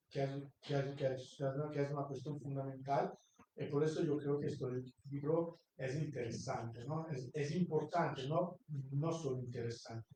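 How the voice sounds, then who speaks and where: A man from Italy speaking Spanish with an Italian accent, commenting from the audience with halting, repeated words. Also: medium pitch, a little mellow, a little hiss or hum. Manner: halting, repeats words, non-native phrasing. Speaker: audience member. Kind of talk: public Q&A comment. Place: university lecture hall. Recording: echoey lecture hall from far off.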